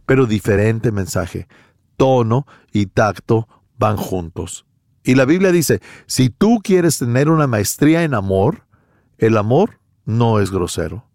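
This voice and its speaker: A man's voice: mid-range voice, darkish tone, no echo, studio quality. A man preaching a sermon as pastor, emphatic and full of rhetorical questions.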